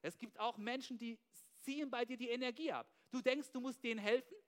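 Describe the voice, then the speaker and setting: High-voiced energetic preacher man. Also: fairly quick. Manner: energetic, often starts phrases with "hey" and tags "ja?"; mixes in English slang words. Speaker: pastor. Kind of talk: sermon.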